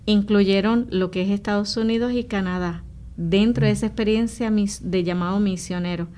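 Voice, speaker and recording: A woman's voice: mid-range voice, fairly even intonation, normal speed, mellow, a little hiss or hum. A woman from Rico, talking earnestly and explaining things as a missionary guest in an interview. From Puerto Rico. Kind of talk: conversational interview testimony.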